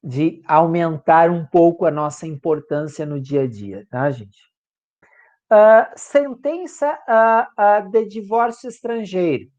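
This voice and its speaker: A man's voice: on the high side, expressive, slow, darkish tone, muffled recording. A male law professor with a Brazilian Portuguese accent, giving a classroom lecture and checking in with students after nearly every point. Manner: checks in constantly with "tá, gente?" tag questions.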